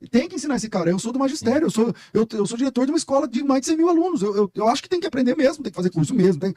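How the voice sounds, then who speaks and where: A man's voice: very high-pitched, lively intonation, rapid-fire, dark tone, no echo. A middle-aged Brazilian man, a pastor, talking emphatically and telling stories in a casual podcast conversation. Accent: Brazilian Portuguese. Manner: emphatic, storytelling, preacher-like. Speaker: guest pastor.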